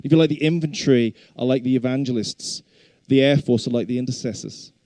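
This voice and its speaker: A middle-aged man with a Black Country accent speaks to a congregation in a relaxed, mellow voice. The sound is close and dry. He preaches informally and chattily, with self-deprecating humour. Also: medium pitch, a little fast, dry recording. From English Black Country. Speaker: guest preacher and worship leader.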